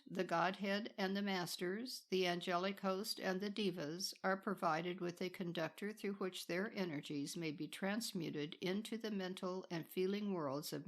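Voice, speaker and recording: A woman narrates a spiritual audiobook in a slightly low voice with a noticeable creak. Her phrasing is solemn and deliberate, set out in measured pieces as a scripted reading.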